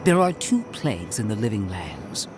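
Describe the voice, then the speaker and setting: A man playing a stern, righteous, zealous commander with a deliberate, declamatory manner in a fantasy game. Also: fairly low pitch, wildly swooping pitch, background noise. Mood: zealous, hushed intensity. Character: stern, zealous male commander, crusading against corruption. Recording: game audio with music behind.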